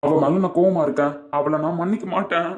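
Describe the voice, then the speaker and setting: A man's voice: fairly high pitch, steady tone, brisk, a little mellow, dull audio, lightly acted. A man playing a possessive young company boss who gives commands and insists on his way. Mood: bossy. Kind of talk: Tamil comedy romance skit. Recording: echoey room.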